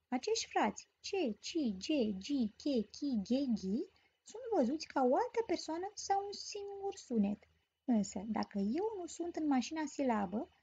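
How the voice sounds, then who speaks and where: A woman teaching a grammar lesson as a story, explaining clearly and patiently. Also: sits high, dark tone. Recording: dull lo-fi recording.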